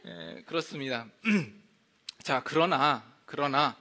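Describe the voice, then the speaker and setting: A male pastor giving a conversational sermon in a church, often pausing with hesitation fillers between phrases. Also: medium pitch, big pitch swings, bright, forceful tone. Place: church sanctuary.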